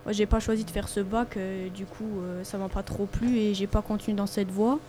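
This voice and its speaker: Mellow, even-toned young woman. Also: medium pitch, moderate pace, slight background noise. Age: young adult. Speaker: student panelist. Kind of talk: casual personal account.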